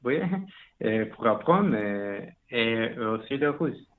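A man's voice: mid-range voice, big pitch swings, takes it slowly. A man from Argentina, speaking French hesitantly and searching for words. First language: Spanish. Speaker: language school founder. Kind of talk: casual interview talk. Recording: phone-like line with faint noise.

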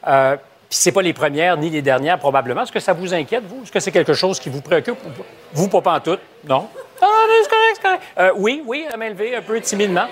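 A man with a Québécois accent hosting a studio panel debate, lively and probing, joking with his guests. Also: high voice, fairly quick. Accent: Québécois French. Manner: lively, asks probing questions, jokes with guests. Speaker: talk show host. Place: TV studio with live audience.

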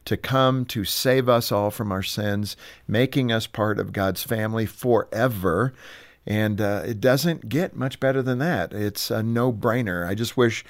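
A man's voice: fairly low pitch, measured pace, no room sound, clean studio sound. A mature man hosting a radio show in a conversational, chatty style. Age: middle-aged or older. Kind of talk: conversational broadcast chat.

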